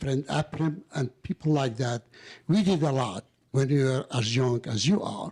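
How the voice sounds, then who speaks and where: The speaker is a man with lively intonation. His voice is somewhat breathy. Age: 80s+. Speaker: community elder, audience member. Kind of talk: audience speech.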